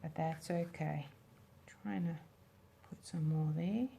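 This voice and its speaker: A woman with a slight smoker's rasp hosting a casual hands-on craft tutorial, thinking aloud informally as she works. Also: sits low, steady tone, slow pace, warm tone, a little hiss or hum. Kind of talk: casual hands-on demo chat.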